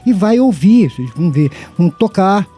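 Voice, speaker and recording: A middle-aged Brazilian man with a tongue-tied lisp that turns s into a slushy sh hosts an informal, unscripted audio lesson. He teaches didactically, addresses listeners formally, and asks himself rhetorical questions. His high voice swings widely in pitch at a normal speed, with a dark, breathy tone over background music.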